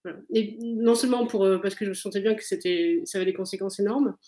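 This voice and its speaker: A woman's voice: mid-range voice, fairly even intonation, fast talker, dark tone, echoey room, low-quality recording. A woman in her forties, an author answering interview questions over a video call, earnestly thinking aloud with frequent fillers. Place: indoor room with a window. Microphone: webcam on a video call.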